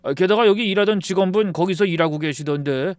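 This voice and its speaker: A man's voice: high voice, quick pace, smooth, dry recording, pitched above the performer's own voice, lightly acted. A man voicing a chatty regular customer passing on gossip. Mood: curious. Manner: gossipy, curious.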